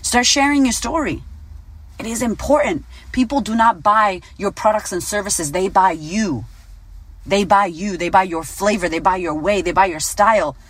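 A woman in her late thirties, a business coach giving a casual motivational talk, blunt and animated, swearing freely. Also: medium pitch, moderate pace. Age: 30s. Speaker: business coach and podcast host.

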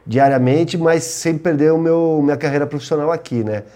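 Calm, mellow-voiced São Paulo man. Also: fairly high pitch, normal speed. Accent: São Paulo Brazilian Portuguese. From Brazil. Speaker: guest. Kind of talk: casual conversation.

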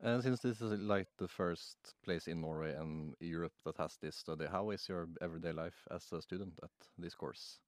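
A man hosting a podcast, opening the show and asking questions in a relaxed, friendly way. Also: low-pitched, moderate pace, few pauses, no echo, clean studio sound. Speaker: podcast host. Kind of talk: casual podcast interview.

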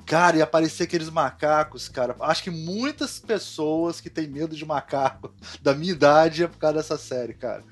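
A man from Brazil telling stories in a relaxed chat, filling his sentences with "cara". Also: on the high side, brisk. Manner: relaxed storyteller who tacks "cara" onto his sentences. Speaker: podcast co-host. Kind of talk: casual chat among friends.

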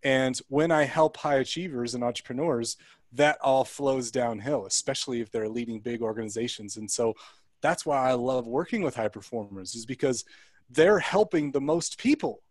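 A man working as a high-performance coach, chatting casually and telling stories in an upbeat, energetic way. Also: normal speed, no room sound. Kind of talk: casual podcast chat.

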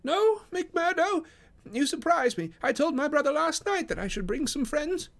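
A man voicing a fussy, helpless, genteel gentleman pleading in a Victorian storybook mystery. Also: very high-pitched, sing-song, moderate pace, gravelly, voice pushed up, heavily acted. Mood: fretful pleading. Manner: fretful, genteel.

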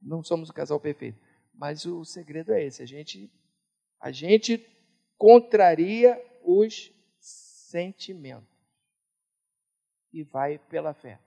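A man from Brazil preaching a sermon, emphatic, swinging between loud and hushed. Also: a little high, lively intonation, takes it slowly, vocal fry, long pauses. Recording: reverberant hall.

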